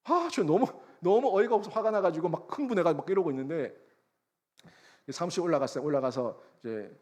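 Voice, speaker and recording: Animated Korean pastor telling a story. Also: male voice, a little high, quick pace. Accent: Gyeongsang Korean. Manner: animated storytelling, acting out quarrels with sudden loud bursts. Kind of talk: sermon with anecdote. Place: church sanctuary.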